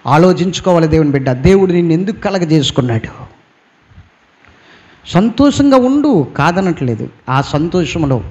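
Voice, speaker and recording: A man's voice: fairly high pitch, big pitch swings, moderate pace, a little mellow. A male pastor preaching a sermon, with repeated emphatic refrains and a rising cadence.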